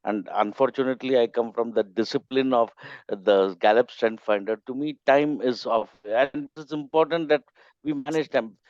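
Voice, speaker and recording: An Indian English-accented man speaks his mind on a video call, stressing points with pauses and restarts. The call audio is slightly dull and very dry, with no room sound. His pitch sits in a middle register. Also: a little mellow, dry recording. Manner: opinionated, emphatic, with pauses and restarts. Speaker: coaching chapter member. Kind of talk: casual online meeting chat.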